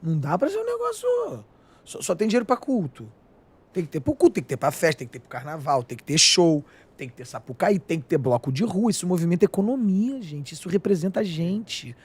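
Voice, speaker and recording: A middle-aged man with a Carioca Portuguese accent speaks with a slightly husky, somewhat raised voice. He talks with passion and emphasis, gesturing as he goes. He is a guest chef in a radio studio. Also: high-pitched, very animated, fairly quick. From Rio de Janeiro, Brazil. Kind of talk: casual studio talk.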